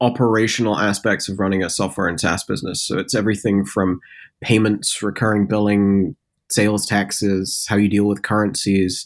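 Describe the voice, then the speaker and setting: A man speaks in a normal speaking voice at a moderate pace and fairly low pitch, in a very clean recording with a silent background. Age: 20s. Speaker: software company founder. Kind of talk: interview.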